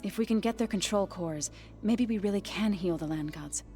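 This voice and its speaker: An actress playing an earnest, gentle, devout young tribal woman in a video game cutscene. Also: medium pitch, normal speed, faint music behind, close to an everyday voice. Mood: hopeful.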